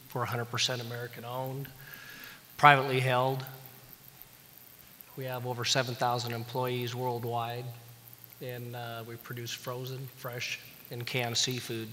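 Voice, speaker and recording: A man speaks in a flat monotone at a medium pitch, with long, frequent pauses. His loudness swings widely, and room echo is audible. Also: moderate pace. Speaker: seafood distribution director. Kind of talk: conference panel talk.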